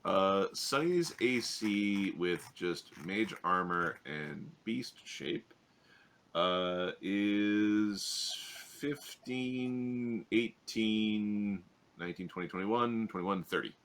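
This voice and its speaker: A man's voice: lowish voice, extremely slow, fairly bright tone, a little hiss or hum. A man chatting casually as a player in a tabletop game.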